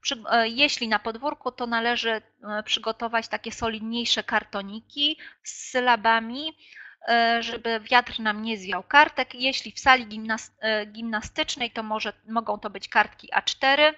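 A woman who trains teachers presents an online workshop, explaining classroom games with frequent hesitations and filler sounds. Her fairly high voice is bright and forceful, unhurried and fairly even in intonation. It comes through a video call as dull, lo-fi online audio.

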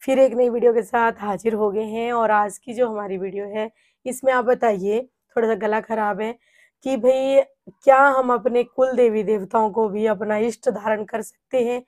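A woman's voice: fairly high pitch, steady tone, normal speed. A woman in her thirties, co-host, greeting viewers and introducing a devotional video at home. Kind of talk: channel introduction. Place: home room with a shrine, indoors.

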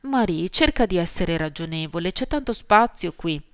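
A woman's voice: fairly low pitch, animated, normal speed, fairly bright tone, clear, resonant tone, no echo, studio quality. A woman reading the lines of a proud, domineering older aunt in an audiobook, indignant and commanding. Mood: pleading.

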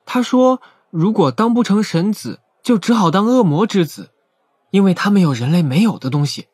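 An actor playing a timid, earnest young police rookie in an audio drama, hesitant and artless. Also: male voice, sits high, lively intonation, normal speed, a little mellow, husky, no room sound. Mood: wondering, earnest.

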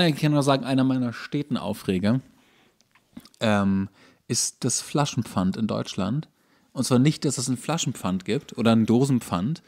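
A man's voice: medium pitch, a little mellow. A man chatting casually as a podcast co-host. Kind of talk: casual chat.

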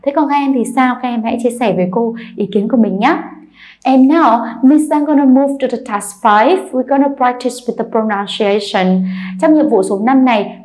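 A woman teacher with a Vietnamese accent giving an English lesson, explaining quickly and then reading words slowly for drilling. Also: fairly high pitch, a little mellow, rough recording. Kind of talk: bilingual classroom lesson.

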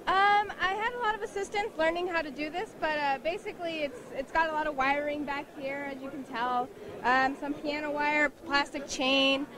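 A woman's voice: high-pitched, fairly even intonation, normal speed, noisy background. A young woman cosplayer, shy and giggly with many ums, answering questions into a handheld mic in a convention hall. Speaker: cosplayer interviewee. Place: crowded indoor convention hall. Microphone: handheld mic held by interviewer.

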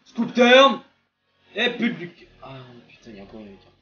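A young man gives casual, excited commentary on a football video game, slangy and prone to swearing and exclaiming at plays. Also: medium pitch, quick pace. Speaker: gaming video creator playing a football game. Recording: dull lo-fi voice track with music behind.

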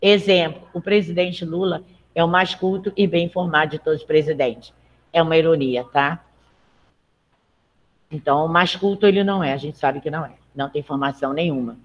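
A woman's voice: deep voice, fairly even intonation, brisk, dull audio. Chatty, encouraging woman teacher. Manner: chatty, checks in with frequent "tá?"; encouraging and motherly with students. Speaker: Portuguese teacher. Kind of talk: live online grammar lesson.

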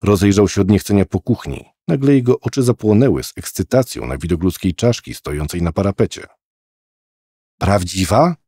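Deep husky guy reading a horror audiobook, dark tone, dry studio sound. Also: lively intonation, brisk, hardly any pauses, no room sound. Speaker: audiobook narrator. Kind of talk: scripted narration.

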